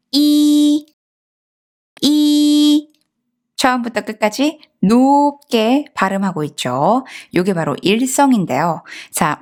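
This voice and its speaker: A woman's voice: on the high side, a little mellow. A woman teaching an online Chinese lesson, explaining patiently and often asking the listener questions.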